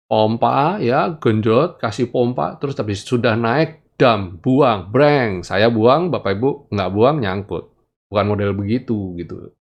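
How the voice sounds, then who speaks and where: Blunt, animated trading coach. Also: male voice. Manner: animated, wide swings in pitch, blunt warnings. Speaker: stock trading educator. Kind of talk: casual market commentary over charts.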